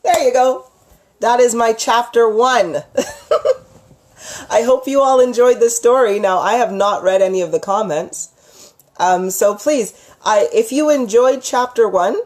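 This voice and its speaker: A woman's voice: mid-range voice, a little mellow. Chatty, gushing woman livestreamer. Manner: gushing, informal, uses endearments like sweetie. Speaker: livestream host, storyteller and psychic healer. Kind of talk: casual livestream chat with viewers.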